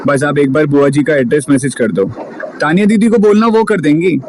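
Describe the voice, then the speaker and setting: A man's voice: a little high, fairly quick, a little hiss or hum, lightly acted. A man doing a bossy harsh-voiced young woman. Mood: reassuring. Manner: loud, curt, commanding. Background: music.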